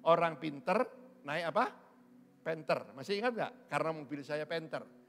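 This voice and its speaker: A man's voice: a little high, lively intonation, normal speed. A middle-aged man preaching a sermon as a pastor, joking and teasing his congregation. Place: church hall. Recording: church hall with long reverb.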